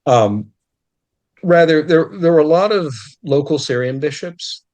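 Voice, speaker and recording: A man's voice: a little high, a little slow, a little mellow, lo-fi sound. A man speaking as a historian guest, explaining in detail in a conversational, scholarly way and often restarting his phrases.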